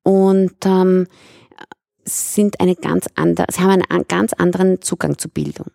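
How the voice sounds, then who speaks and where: A woman's voice: fairly low pitch, fairly even intonation, normal speed, gravelly, dark tone, no echo, clean studio sound. A young woman from Iran, a guest in a conversational interview, explaining at length with restarts.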